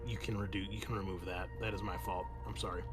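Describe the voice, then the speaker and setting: A man's voice: sits low, flat delivery, quick pace, over music. Man refereeing a tabletop game. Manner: informal, explains rules as he goes. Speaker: game master.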